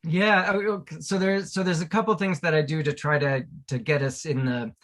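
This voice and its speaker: A male academic panelist talking conversationally, haltingly, often repeating words as he searches for the next phrase. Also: a little high, fairly even intonation, fairly bright tone.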